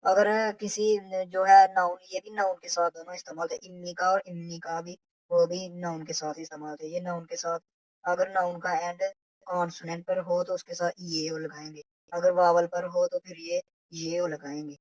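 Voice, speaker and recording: A woman's voice: lowish voice, little pitch movement, normal speed, a little mellow, no echo, low-quality recording. A woman, teaching a recorded language lesson from a textbook. She explains step by step and repeats the example phrases.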